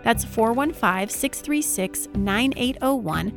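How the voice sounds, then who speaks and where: A woman hosting a radio news program, reading scripted segments in a clear, measured way. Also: on the high side, animated, faint music behind.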